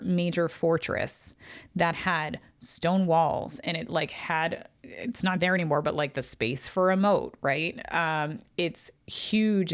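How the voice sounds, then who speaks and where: A woman hosting her podcast as a medium, talking through a remote viewing reveal in an earnest, eager way, with many ums and restarts. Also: on the low side. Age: adult with children.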